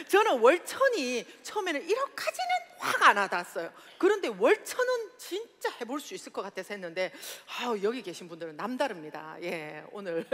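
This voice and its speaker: High-pitched woman, seminar speaker, bright tone, hall reverb. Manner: loud, exclaiming, laughs often. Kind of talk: motivational seminar talk.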